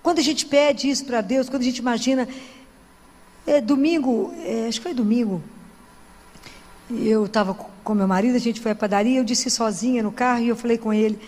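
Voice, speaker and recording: A Brazilian woman giving a conversational sermon in a church, telling stories and often checking in with her listeners. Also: on the high side. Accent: Brazilian Portuguese. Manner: conversational, animated storytelling with frequent "né?". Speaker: preacher. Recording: long reverb of a church hall.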